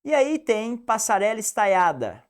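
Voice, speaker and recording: Man, Piracicaba accent, English teacher, video lesson, animated, lively swinging pitch, repeats rules. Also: measured pace, smooth. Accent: Piracicaba interior São Paulo, rolled R.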